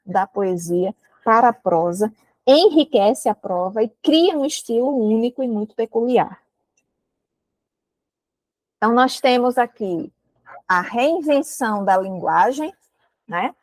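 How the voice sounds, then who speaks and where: A woman with a Brazilian Portuguese accent gives a recorded literature lecture for a prep course, patiently explaining things to exam students and often checking in with the class. Her voice is on the high side and a little mellow, captured dry. She's in an indoor room with a window while rain falls outside.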